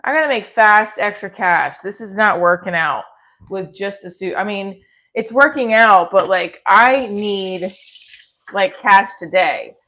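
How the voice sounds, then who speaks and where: A woman's voice: medium pitch, a little slow, sharp tone. A middle-aged woman with a congested, stuffy nose, chatting casually and candidly as she hosts a live stream from home in a rambling, blunt way. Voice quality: stuffy-nosed. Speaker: live stream host, comedy creator and performer. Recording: clearly noisy home recording with clicks.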